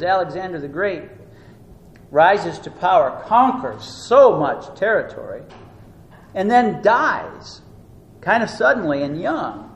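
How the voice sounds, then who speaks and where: Earnest preacher man in an echoey room. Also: a little high. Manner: earnest teaching tone, rising and slowing for emphasis. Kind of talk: sermon. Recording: echoey room with faint noise.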